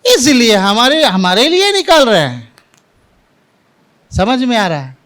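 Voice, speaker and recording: A pastor delivers an animated Sunday sermon in a high-pitched voice. He tells stories to the congregation and mixes English words into his preaching. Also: a little slow. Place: church service.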